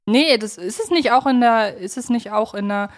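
A woman's voice: a little high, normal speed. A woman co-hosting a podcast, talking casually and analytically in an articulate, reflective way, thinking aloud as she goes. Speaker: podcast co-host.

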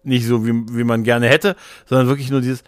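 Male podcast host, middle-aged, animated anecdote-telling in an average register, recorded dry. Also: medium pitch, brisk, dry recording. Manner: animated storyteller, acts out quotes. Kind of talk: casual anecdotal chat.

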